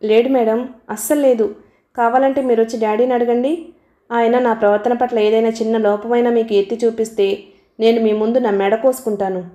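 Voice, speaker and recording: A woman's voice: fairly high pitch, level tone, a little fast, warm tone, close to an everyday voice. A woman voicing an earnest, lovestruck young man. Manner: eager, devoted, pleading.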